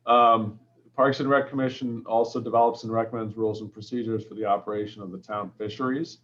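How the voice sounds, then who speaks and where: A man with a Boston-area accent speaking at a town commission meeting, halting with many fillers. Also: on the low side, fairly even intonation, fairly bright tone, slight background noise. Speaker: commission member. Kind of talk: casual meeting talk. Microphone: video call. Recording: muffled video call audio.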